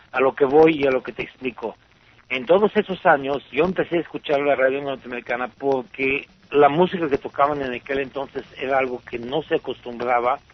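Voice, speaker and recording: A man in his sixties, born in Bulgaria, telling his story in an interview at an unhurried pace, full of fillers and restarts. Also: medium pitch. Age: 60s. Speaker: interview guest. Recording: dull lo-fi sound.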